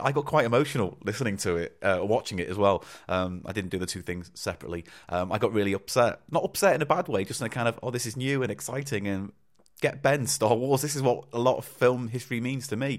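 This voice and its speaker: A man with a British accent talks at a very fast pace with lively intonation. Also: medium pitch for a man, very clean recording, silent background. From UK. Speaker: comedian and writer. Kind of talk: recorded voice message.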